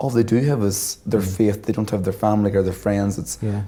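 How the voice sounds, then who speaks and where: Speaking very fast in a Northern Irish accent, the voice has a dark, mellow tone and fairly even intonation. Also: man. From Derry, Northern Ireland. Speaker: country music singer. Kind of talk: interview answer.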